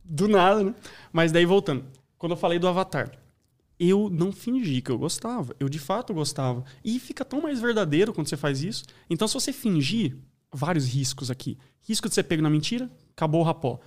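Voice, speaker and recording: A man talking in a casual podcast chat, an animated storyteller who says "né" and "daí" a lot. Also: fairly high pitch, a little fast. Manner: animated storyteller, acts out voices.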